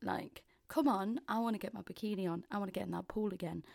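In an East Midlands accent, a woman talks at a moderate pace and a medium pitch. Her tone is animated, and the recording is very clean with a silent background. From East Midlands, England. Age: 20s. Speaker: podcast host and dance teacher. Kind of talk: casual solo monologue.

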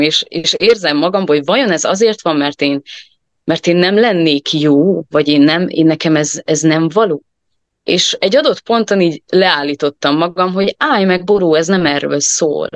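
Recorded with a dry, close sound and no echo, a woman with a fairly low pitch and an ordinary speaking voice talks at a fairly slow pace, her intonation lively and her loudness very even. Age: 20s. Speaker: stage actress. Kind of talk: panel discussion.

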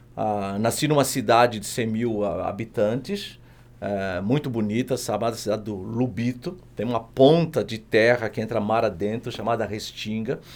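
Ordinary pitch variation runs through an unremarkable speaking voice. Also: man, medium pitch for a man, fairly slow pace. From Angola. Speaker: pastor. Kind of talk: casual chat.

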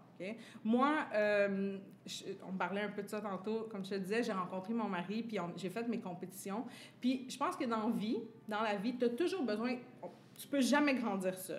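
A woman with a fairly high pitch speaks at a moderate pace, with ordinary pitch variation and long, frequent pauses. Noticeable background noise and audible room echo are present. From Quebec, Lebanese family. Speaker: hairstylist. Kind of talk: casual interview.

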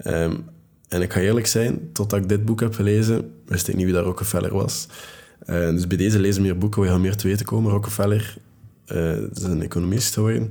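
A man with an Antwerp accent talks at a very fast pace in a dark, mellow tone with fairly low pitch. His intonation is fairly even, and room echo is audible. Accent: Flemish Dutch (Antwerp). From Belgium, Antwerp. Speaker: podcast host. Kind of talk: solo book review monologue. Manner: casual, with frequent fillers.

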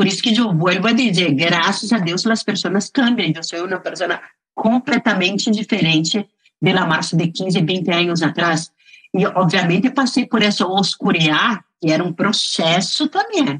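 A woman speaks fairly slowly at a medium pitch with ordinary pitch variation, and the sound is dry and close with no echo. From Brazil, rural northern Minas Gerais. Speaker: entrepreneur. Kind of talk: interview. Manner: animated.

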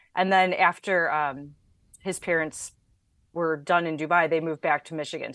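This woman has an unremarkable speaking voice with an American accent, pitched fairly low and moving at a moderate pace. The recording is very clean, with a silent background. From Chicago, Illinois. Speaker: author. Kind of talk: casual interview.

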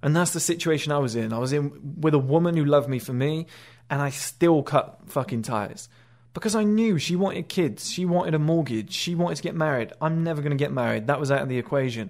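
In an angry, confident tone, a man talks at a very fast pace with a fairly high pitch and ordinary pitch variation. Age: 20s. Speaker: video creator giving men lifestyle advice. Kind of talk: angry rant. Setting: solo video, self-recorded. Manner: angry, emphatic, swearing, confident; fast, insistent, lecturing.

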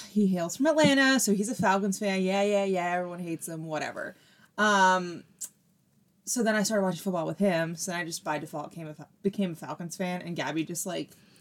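A woman speaks in a plain, everyday voice at a medium pitch. Her pitch varies in an ordinary way. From Boston area, Massachusetts. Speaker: clinical trials worker at a pharma company. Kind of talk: casual chat. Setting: recording in person in Florida.

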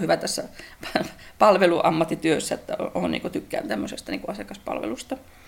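Noticeable background noise accompanies a woman who talks very rapidly. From Finnish Lapland (Rovaniemi). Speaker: church office secretary. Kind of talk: interview.

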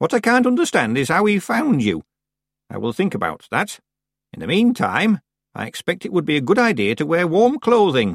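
In a put-on character voice, a man speaks at a moderate pace with a fairly high pitch, very wide pitch swings and a slightly husky edge, in a very clean, dry, close recording with a silent background and no echo.

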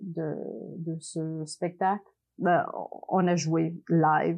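Speaking very slowly, a woman with an Italian accent uses a fairly low pitch. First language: Italian (speaking French). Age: 50s. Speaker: theatre director. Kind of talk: interview. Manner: halting.

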